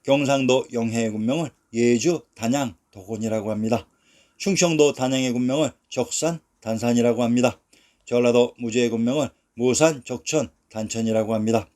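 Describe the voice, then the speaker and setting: Male narrator, middle pitch, scripted history read, slow and deliberate. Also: a little mellow. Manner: slow, measured, reads long lists of place names.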